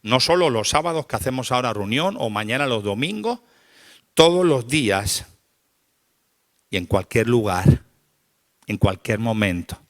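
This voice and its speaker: A male pastor preaching a sermon. He talks with repetitive, rhythmic calls to the congregation and swings from quiet, confessional passages to loud, rising climaxes. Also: medium pitch, animated, measured pace, long pauses.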